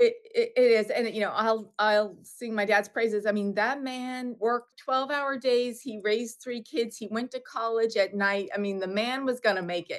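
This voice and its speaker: A woman with an American accent talks in an ordinary speaking voice at a moderate pace and fairly high pitch, with fairly even intonation and hardly any pauses. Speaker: mother and heritage keeper. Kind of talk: interview conversation.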